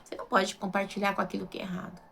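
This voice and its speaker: A woman's voice: medium pitch, monotone, very fast, vocal fry, a bit bright, a little hiss or hum. A woman with a Brazilian Portuguese accent preaching informally as a missionary, conversational and emphatic, often asking rhetorical questions and checking in with her listeners. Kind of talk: informal Bible sermon.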